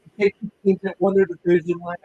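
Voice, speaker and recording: Male sports co-host, slightly high voice, rambling talker, heard through a garbled underwater-sounding connection that drops in and out. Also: level tone, fast talker, husky, narrow, tinny audio. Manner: rambling, talks in long run-on stretches. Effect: garbled underwater-sounding connection cutting in and out. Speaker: co-host of a morning sports show. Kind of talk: casual sports talk.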